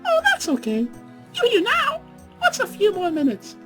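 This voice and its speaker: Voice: very high voice, huge pitch swings, moderate pace, loud music behind the voice, pitched above the performer's own voice, exaggerated voice. A reader voicing a hyper, giddy young female pink pony in a storybook reading, gushing in a frantic squeal. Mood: ecstatic.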